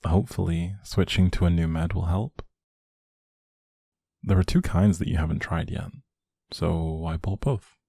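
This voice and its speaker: A man playing a doting, playfully teasing young boyfriend in an intimate one-sided roleplay, speaking affectionately with a soft, husky voice. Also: steady tone, a little slow, pauses often, dry recording, studio quality, exaggerated voice. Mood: attentive, gentle. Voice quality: low, soft, husky, creaky.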